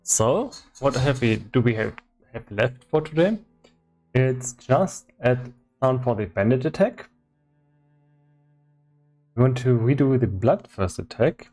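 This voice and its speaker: Slow-talking man thinking aloud. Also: medium pitch, darkish tone. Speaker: streamer and game developer. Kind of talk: casual livestream commentary while working. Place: indoors in his own room.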